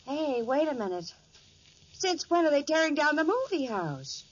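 An actress playing a spirited, argumentative young sister in a 1940s radio drama. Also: female voice, high voice, big pitch swings, normal speed. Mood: insistent. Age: young adult. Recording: noisy, dull 1940s radio recording.

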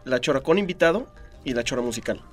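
A man's voice: medium pitch, expressive, fast talker, breathy edge, faint music behind. A man chatting casually as a podcast guest, detailed and self-correcting, with many fillers. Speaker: podcast guest and fan archivist. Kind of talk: casual chat.

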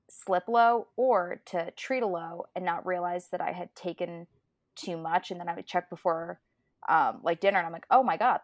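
A woman's voice: on the low side, no room sound, clean studio sound. A woman in her twenties co-hosting a podcast, talking casually in a chatty, rambling way full of restarts. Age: 20s. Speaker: podcast co-host. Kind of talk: casual chat.

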